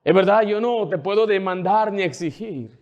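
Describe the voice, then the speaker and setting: A man's voice: high-pitched, moderate pace, darkish tone, dull audio. A male pastor preaching a sermon with fervent, emphatic repetition.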